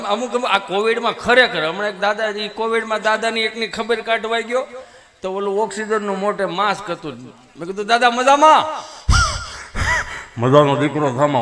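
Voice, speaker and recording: Bright-voiced comedian on stage. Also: male voice, sits high, in a large hall. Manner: lively, conversational, addresses the audience. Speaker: folk comedian. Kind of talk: stand-up folk comedy storytelling. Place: stage before a live audience. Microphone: stage microphone.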